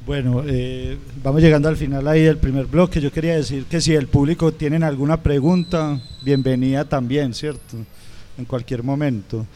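A man's voice: mid-range voice, fairly even intonation, moderate pace, mellow, a little hiss or hum. A man hosting a podcast, asking questions in a hesitant way while he searches for words. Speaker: podcast host. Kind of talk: interview questions.

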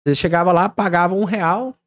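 A man's voice: high voice, a little fast, dry recording. A man, a podcast guest telling stories and acting out what people said. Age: 30s. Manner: animated storytelling, acts out dialogue. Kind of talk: casual podcast chat.

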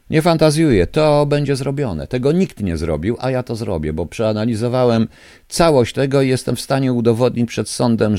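Into a studio microphone, a male host indignantly rants at his live radio audience. He has a lowish, warm voice, and the recording carries no room sound.

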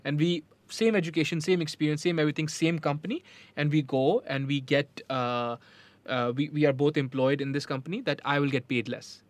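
A man's voice: a little high, steady tone, a little fast, no room sound. A man with a South Asian accent explaining things casually and didactically, switching between Hindi-Urdu and English and checking in with rhetorical questions. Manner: mixes Hindi-Urdu and English mid-sentence. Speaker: podcast host.

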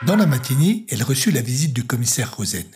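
A man narrating an audio story in a measured, steady way, with music underneath. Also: mid-range voice.

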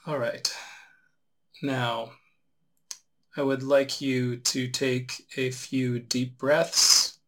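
Slow, gravelly male meditation guide. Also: mid-range voice, flat delivery, pushed and bright. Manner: unhurried instruction with long pauses. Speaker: meditation teacher. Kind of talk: guided relaxation meditation instruction.

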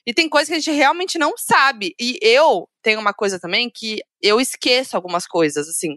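Woman, Brazilian Portuguese accent, podcast co-host, casual chat, giggly storytelling, very bright voice, dry close sound. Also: a little high, animated, fairly quick, no room sound.

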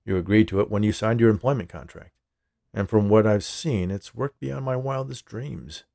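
A powerful, smug chief executive, acted out by a male storyteller, speaks with cool condescension and menace. The voice is low and gravelly, commanding in delivery, in a very dry recording. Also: normal speed, dark tone, dry recording. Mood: smug, assured.

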